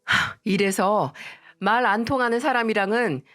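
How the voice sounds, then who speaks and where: A woman voicing an arrogant, spoiled young woman who talks down to her sister-in-law in a shrill, contemptuous tone. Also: measured pace, a bit bright, faint music behind, close to an everyday voice.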